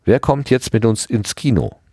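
A man reading aloud and voicing a teasing young woman in a raised, lively voice. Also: mid-range voice, normal speed, vocal fry, husky, dry recording, studio quality, pitched above the performer's own voice. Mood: teasing, amused. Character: young woman, hotheaded, combative teen girl.

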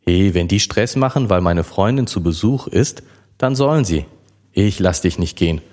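A man's voice: sits low, expressive, normal speed, a little mellow, voice pushed down. A man voicing a shy, flustered teenage boy in a read-aloud novel. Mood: firm. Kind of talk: audiobook reading.

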